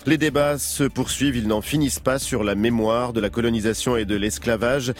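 A man's voice: mid-range voice, steady tone, brisk, soft background music. A man hosting a live radio show in an announcer's manner.

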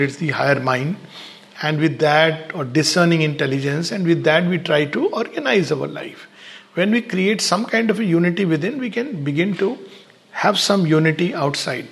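A man giving an unhurried spiritual talk in short, pausing phrases. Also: a little high, creaky, a bit bright. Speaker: spiritual speaker.

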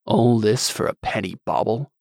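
A man voicing a large, stern male war god in an audiobook, with a gruff, disapproving manner. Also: fairly low pitch, moderate pace, a little mellow, no room sound, clean studio sound. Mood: skeptical. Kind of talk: audiobook character acting.

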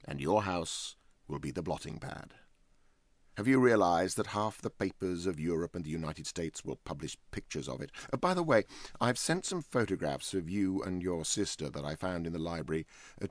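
A man's voice: low-pitched, normal speed, no echo. A man doing a cool, offhand young prankster. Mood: deadpan. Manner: calm, offhand, deadpan. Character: cool, mischievous young man, careless and deadpan.

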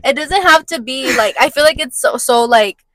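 Casual young co-host, higher pitch, dry close sound, drops spanish words. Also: female voice, moderate pace, fairly bright tone, no room sound. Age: 20s. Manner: chatty, mixes in Spanish phrases. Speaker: podcast co-host. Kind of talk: casual chat.

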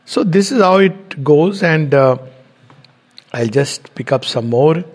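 Measured man lecturing. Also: a little high, lively intonation. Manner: measured, explanatory, slows down to read quotes. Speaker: spiritual teacher giving a talk. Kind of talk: reflective lecture with read-out quotes and commentary.

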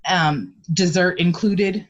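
A middle-aged woman with a notably low voice, reflecting in a hesitant, thoughtful way, pausing often. She comes through a dull, lo-fi remote line. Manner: hesitant, thoughtful, many ums. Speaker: guest, activist. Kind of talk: conversational interview.

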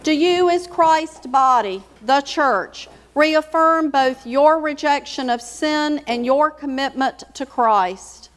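High-pitched lady leading formal church liturgy, big reverby hall. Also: takes it slowly, few pauses, slight background noise. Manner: formal, ceremonial. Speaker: worship leader. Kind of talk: church liturgy, addressing the congregation. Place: large church sanctuary.

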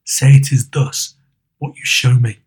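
A man voicing a frightened elderly male miser, speaking in a husky, hushed way. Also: mid-range voice, flat delivery, a little slow. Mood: pleading.

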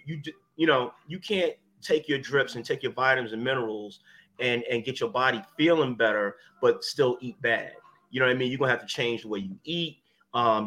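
A man's voice: medium pitch, fairly bright tone. A man in his fifties, a wellness business owner talking casually and plainly, often asking "you know what I mean". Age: 50s. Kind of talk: casual podcast chat.

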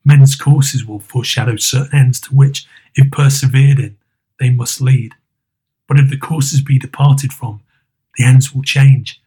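Hushed old miser, lower and husky, trembling pleas, read by a male narrator. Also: steady tone, unhurried. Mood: pleading. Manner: hushed, trembling, half-whispered. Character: frightened old miser, pleading.

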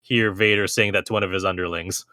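A man's voice: sits low, steady tone, fast, pushed and bright, no room sound, studio quality. A man co-hosting a podcast in casual chat, reading out trivia and movie quotes with easy laughter. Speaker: podcast co-host.

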